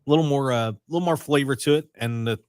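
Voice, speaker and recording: A man hosting a radio show in casual, rambling chat, his voice a little raspy and strained. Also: medium pitch, fast, no echo, studio quality. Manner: chatty, excitable, rambling. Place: radio studio.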